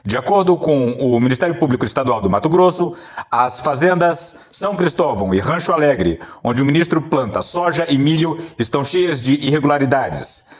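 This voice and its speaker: A man reading a news report in an even, formal way. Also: medium pitch, moderate pace. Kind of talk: news report read aloud.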